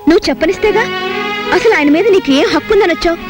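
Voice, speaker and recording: A woman's voice: extremely high pitch, rapid-fire. An actress playing a fiery young unmarried woman who scolds sharply, in film dialogue over music. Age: young adult. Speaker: unmarried niece.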